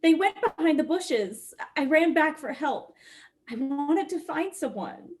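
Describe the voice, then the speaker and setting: Distraught young woman, high-pitched and pleading, played by an actress in a dramatic script read. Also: animated, a little slow, faint music behind. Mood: shaken, urgent.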